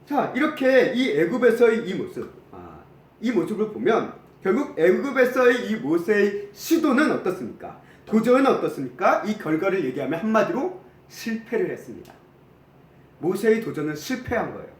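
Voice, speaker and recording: A man preaching a sermon as pastor, animated, acting out the quoted complaints. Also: high-pitched, normal speed, echoey room. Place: church sanctuary.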